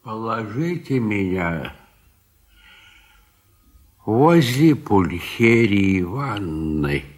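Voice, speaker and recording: An actor playing a meek, grieving old landowner on his deathbed, speaking a faint, halting plea in an audio drama. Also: fairly low pitch, very animated, heavily acted. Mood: weak, pleading. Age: older. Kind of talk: 1970s literary audio drama acting.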